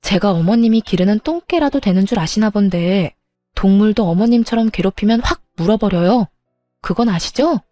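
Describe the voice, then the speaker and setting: A woman narrating a dramatized first-person story as a daughter-in-law, with sharp, defiant retorts. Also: medium pitch, animated, normal speed, soft background music.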